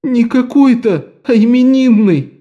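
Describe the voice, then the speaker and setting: A man's voice: extremely high pitch, expressive, measured pace, warm tone, dull audio, voice pushed up. A man voicing a young thief who pretends to be a sobbing errand boy, pleading and whimpering.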